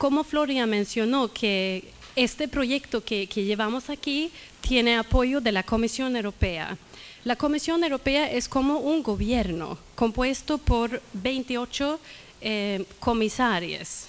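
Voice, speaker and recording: A Swedish accent comes through at a very slow pace. The pitch varies in an ordinary way. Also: woman, high pitch for a woman. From Sweden, northern. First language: Swedish (speaking Spanish). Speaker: EU official giving a talk. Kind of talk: lecture. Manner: halting, with fillers and restarts.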